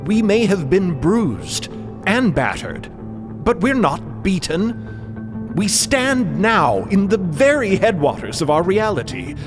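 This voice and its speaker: A man's voice: high-pitched, big pitch swings, slow, voice pushed up, full character voice. A man playing a grandiloquent, optimistic explorer who orates pompously in an audio drama. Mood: rousing. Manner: pompous, oratorical. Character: grandiloquent, optimistic male explorer prone to stirring speeches. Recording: music bed underneath.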